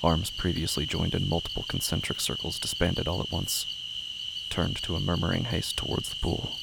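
A man narrating a horror audio drama in a brooding, measured, dramatic literary style with a gravelly voice. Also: sits low, flat delivery. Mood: somber. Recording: loud background noise with crickets.

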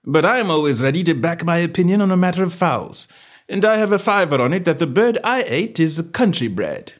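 A man puts on a shrewd gentleman detective from a classic storybook, pitched up and animated. He sounds genteel and self-assured, carelessly goading whoever he talks to. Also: a little fast.

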